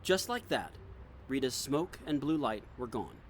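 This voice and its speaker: A man's voice: mid-range voice, big pitch swings, a little slow. A man reading scripted dramatic narration as the narrator of a story. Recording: clear background noise, clicks.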